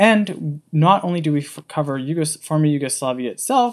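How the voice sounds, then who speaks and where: The speaker has a slight Canadian accent and a fairly quick pace. The recording is very clean, with a silent background. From Canada. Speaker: podcast host and blogger. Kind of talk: podcast introduction, monologue. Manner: casual, friendly, slightly halting.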